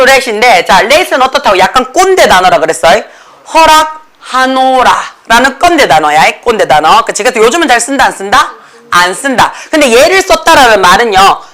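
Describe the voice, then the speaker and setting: A woman with a Gyeongsang Korean accent, teaching an English grammar lecture in a classroom with blunt, animated talk and constant check-ins with students. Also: sits high.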